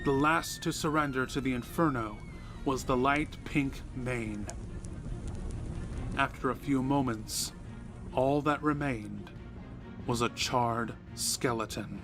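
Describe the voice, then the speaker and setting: A man's voice: medium pitch, slow pace, pauses often. A man reading a horror story as a dramatic scripted narration. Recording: music behind the voice. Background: music.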